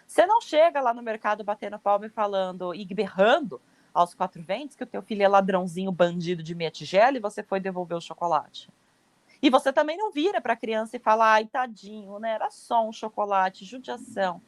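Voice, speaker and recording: Brazilian woman podcaster, blunt and emphatic, dry close sound, middle pitch. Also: animated, fast, no echo. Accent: Brazilian Portuguese. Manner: emphatic, acts out parents' voices, blunt. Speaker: podcast host, parenting educator. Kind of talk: explanatory podcast talk.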